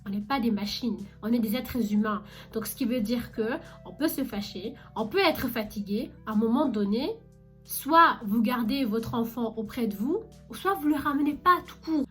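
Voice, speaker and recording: A young woman with a fairly high voice tells a story in a casual vlog. She is chatty and animated, talking straight to her viewers. Soft music plays faintly behind her. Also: moderate pace. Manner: chatty and animated, addresses viewers directly with many fillers. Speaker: vlogger recounting her job as a shop saleswoman.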